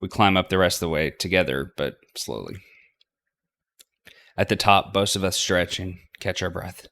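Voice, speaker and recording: A man narrating a story game aloud as a let's play host, expressive in his reading. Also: low-pitched, moderate pace.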